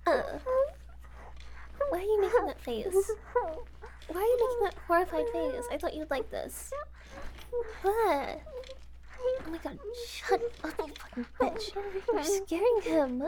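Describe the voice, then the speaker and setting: A woman's voice: extremely high pitch, expressive, unhurried, pauses often, crowd noise. Woman playing a giggly unhinged kidnapper girl. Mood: defensive. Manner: giggly, teasing, whispery asides. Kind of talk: audio roleplay acting.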